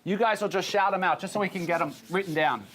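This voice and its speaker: An American man teaching an engineering class informally, asking students quick questions and repeating their answers. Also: sits high, a bit bright.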